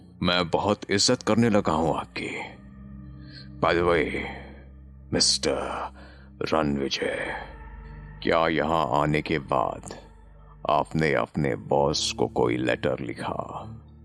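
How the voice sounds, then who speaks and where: A man's put-on character voice, very deep and low, carries a menacing tone at a very slow pace with long, frequent pauses. Clear music plays in the background. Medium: audio drama. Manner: menacing, mixing English and Hindi.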